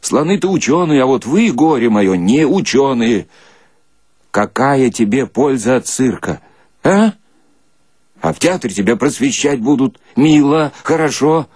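A man voicing a stern, gruff military commissar who scolds in an emphatic, colloquial way. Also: medium pitch, expressive, measured pace, darkish tone, no room sound, studio quality, voice pushed up. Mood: exasperated, scolding.

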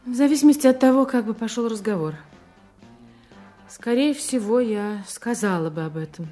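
An actress playing a lovelorn double agent, bitter and vulnerable, with pointed, emotional delivery in a Russian audio play. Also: female voice, fairly high pitch, expressive, normal speed, dark tone, lightly acted. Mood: resigned, hurt. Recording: music under the voice.

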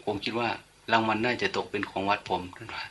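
A man's voice: fairly low pitch, little pitch movement, quick pace, fairly bright tone, a little hiss or hum. An older man, a monk, giving an informal, chatty sermon full of anecdotes and light humor. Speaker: monk giving a dharma talk.

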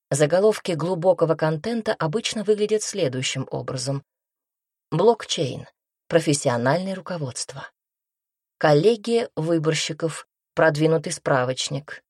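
A woman reading a nonfiction book aloud as a narrator, in a measured, even way. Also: deep voice, dry recording, clean studio sound. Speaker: audiobook narrator.

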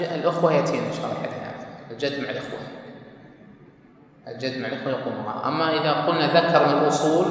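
A man's voice: medium pitch, fairly bright tone. A man teaching a classroom lesson, putting questions to his students and then answering them. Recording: roomy hall from a distance.

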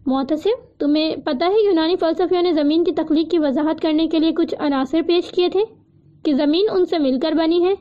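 A woman's voice: extremely high pitch, mellow. Woman reading as an eager young woman. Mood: urgent. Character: eager, determined young woman solving a puzzle. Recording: dull lo-fi recording.

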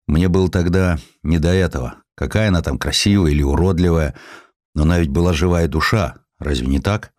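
A man voicing a poor, ailing ex-sailor turned postman, gruff, proud and kind-hearted, with blunt, salty, plain-spoken delivery in an audio story. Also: low-pitched, a little fast, a little mellow, dry recording, studio quality, natural voice. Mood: gruff, matter-of-fact.

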